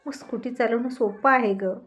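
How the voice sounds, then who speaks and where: A woman's voice: a little high, moderate pace, natural voice. A woman voicing a cheerful young brother-in-law who chats eagerly, in a read-aloud story. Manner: eager, chatty.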